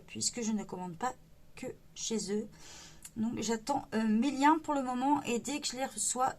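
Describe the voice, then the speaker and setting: A woman's voice: high-pitched, darkish tone. A woman casually flipping through a coloring book for her channel, chatty and enthusiastic with frequent fillers.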